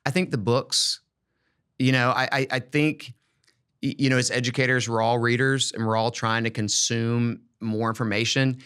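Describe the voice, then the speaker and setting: Male podcast host, medium pitch, conversational and advisory, thinks aloud with repeated words. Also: steady tone, normal speed, a bit bright, smooth. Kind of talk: casual conversational advice on an education podcast.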